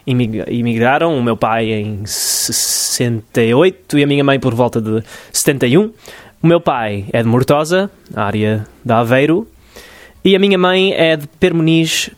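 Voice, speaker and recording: A man from New Jersey, talking in Portuguese as a podcast host, reflective and full of pauses and restarts. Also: medium pitch, no echo. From United States (New Jersey). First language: English. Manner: hesitant, many fillers and restarts, reflective. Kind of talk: casual solo podcast monologue.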